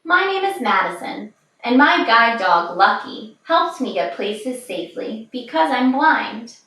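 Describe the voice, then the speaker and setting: A woman reads a children's picture book aloud in a fairly high voice. Her delivery is measured and expressive, with a lively, swinging intonation. She sounds set back from the microphone in a room. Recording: distant, very echoey room.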